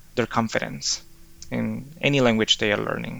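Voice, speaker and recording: A man speaks with a Spanish accent. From El Salvador. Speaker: online language tutor. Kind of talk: interview.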